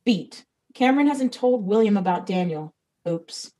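A woman's voice: medium pitch, expressive, unhurried, dark tone, poor audio. A woman reading the stage directions of a comedy script, matter-of-fact.

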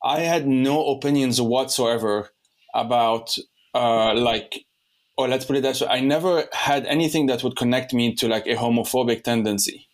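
A man's voice: medium pitch, moderate pace. A young man from Lebanon hosting a podcast, talking in a loose, rambling way with many restarts. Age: young adult. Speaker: podcast host. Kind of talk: casual conversation.

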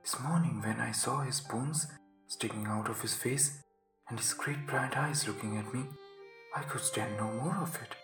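A man voicing a worried, devoted landlady in a breathy, anxious, pleading way for a story reading. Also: mid-range voice, normal speed, echoey room, music in the background, lightly acted, rough recording. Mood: distressed, hushed. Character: distressed, fearful elderly landlady, devoted and worried.

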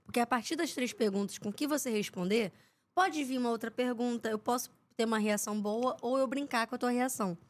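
Her voice is a little high and her pace brisk. This young sports reporter, guesting on a podcast, spins lively anecdotes and acts out the quotes of people in them.

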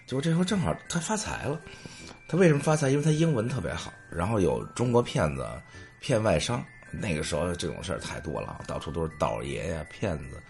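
A middle-aged man tells funny stories from his past as a show host. His voice sits very low, yet his pitch swings widely and animatedly. Faint music plays behind him. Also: fast talker, creaky. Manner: humorous, anecdotal, lively. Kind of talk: storytelling monologue.

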